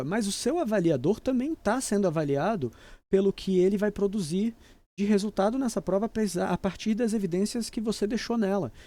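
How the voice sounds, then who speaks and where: A Brazilian airline captain talks through an aviation English lesson in a relaxed, mellow voice that sits a little high. He explains things loosely and then drops into clipped radio-call examples. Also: dry recording. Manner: explanatory, switches into crisp radio phraseology examples. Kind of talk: casual video lesson.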